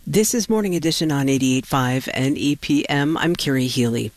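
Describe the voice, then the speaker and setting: A woman hosting local public radio, reading news, weather and sponsor notes in a measured announcer delivery. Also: extremely low pitch, no echo. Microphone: studio microphone.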